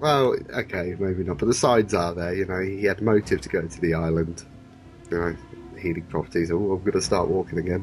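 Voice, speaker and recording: Over music in the background, someone with a southern English accent speaks at a fairly quick pace with ordinary pitch variation. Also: man, very deep, low pitch for a man. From Oxford, England. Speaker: podcast co-host. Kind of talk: casual chat.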